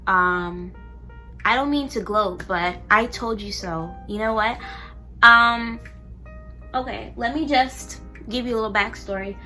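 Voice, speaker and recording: A woman's voice: mid-range voice, measured pace, bright, forceful tone, soft background music. A young woman doing her makeup on camera in a casual vlog, talking bluntly and heatedly and swearing freely. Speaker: beauty vlogger.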